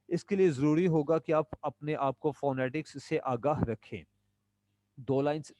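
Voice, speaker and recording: Guy lecturing, highish voice, reads english lines slow then explains in urdu, dry close mic. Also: darkish tone, no echo. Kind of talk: classroom lecture.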